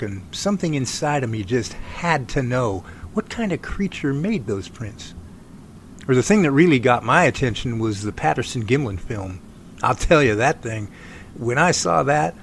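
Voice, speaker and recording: A man's voice: mid-range voice, close to an everyday voice. Man acting as young Californian researcher, folksy, wry, earnest, radio play, faint noise and ambience. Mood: earnest, easygoing. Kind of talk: amateur radio drama dialogue.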